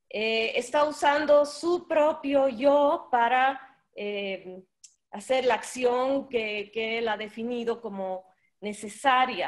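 Against a quiet background, the speech moves at a very slow pace with ordinary pitch variation. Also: woman. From Bolivia, Cochabamba; Bolivia. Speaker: performance artist; panelist. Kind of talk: panel discussion. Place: home room. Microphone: video call.

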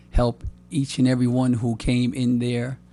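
Music plays in the background as a man talks. His pitch is medium and his pace moderate. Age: 60s. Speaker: village trustee. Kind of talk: public meeting remarks. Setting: village hall meeting.

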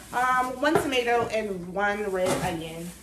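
A woman is speaking. Noticeable background noise runs behind her voice. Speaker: vlogger. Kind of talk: casual vlog chat. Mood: playful, laughing. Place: kitchen. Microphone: camera far.

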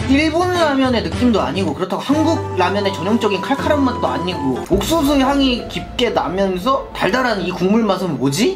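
Clear music sounds in the background. A man talks at a moderate pace with hardly any pauses. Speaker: food reviewer. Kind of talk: casual vlog chat. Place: home room.

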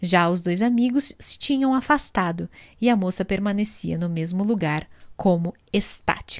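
In an ordinary speaking voice, a woman talks at a fairly slow pace with a medium pitch and lively intonation, the very clean recording sounding dry and close with no echo and a silent background. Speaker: literary podcaster narrating and commenting on a classic novel. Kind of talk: literary audiobook reading of a 19th-century Brazilian romance, chapter read aloud. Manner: measured, clear storytelling delivery of formal period prose; chatty, conversational asides addressing listeners between readings.

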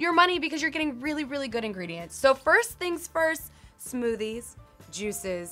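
A woman projects a raised voice at a moderate pace. Faint music sits in the background. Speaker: food video host. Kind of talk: casual tasting commentary. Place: studio. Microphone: lapel.

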